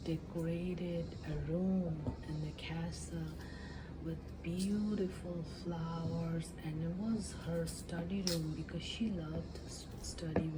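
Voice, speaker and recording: A woman telling a fairy tale in ASMR style, improvising in a halting way with hums and drawn-out pauses. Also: lowish voice. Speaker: ASMR storyteller. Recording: clearly noisy background.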